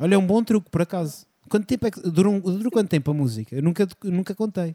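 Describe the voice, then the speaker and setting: A man with a European Portuguese accent talks at a very fast pace with lively intonation. His high voice has a dark, mellow tone in a dry, close sound with no echo. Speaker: podcast host interviewing school students. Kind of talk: casual chat. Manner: animated.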